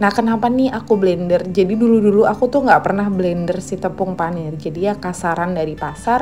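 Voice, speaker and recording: A woman at a medium pitch and a fairly quick pace, ordinary pitch variation, music in the background. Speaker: housewife vlogger. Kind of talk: voice-over narration. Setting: home voice-over recording. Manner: casual, chatty.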